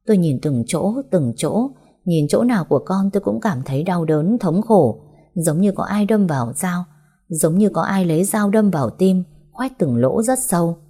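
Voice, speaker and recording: A woman's voice: lowish voice, expressive, normal speed, warm tone, breathy edge. A woman narrating a first-person audiobook story in a sorrowful, heartfelt way. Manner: sorrowful, heartfelt emotional reading.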